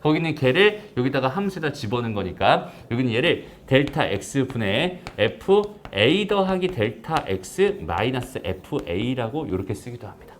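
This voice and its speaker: A man teaching a recorded math lecture in a casual way, often checking understanding with quick tag questions. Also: medium pitch, big pitch swings, a little hiss or hum.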